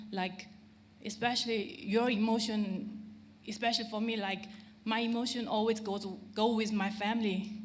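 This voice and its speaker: A woman's fairly high, somewhat breathy voice at a moderate pace, monotone and flat in intonation, with audible room echo. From Lhasa, Tibet. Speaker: audience member asking a question. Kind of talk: audience Q&A. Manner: halting, many fillers.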